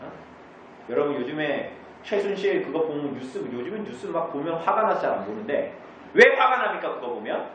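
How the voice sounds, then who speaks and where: A pastor leads a catechism lesson for a church group, asking the congregation questions and then supplying the answers. He speaks fairly quickly with a fairly high, fairly bright voice and big pitch swings; the recording, made in a church meeting room, is distant, echoey and dull with slight hiss or hum.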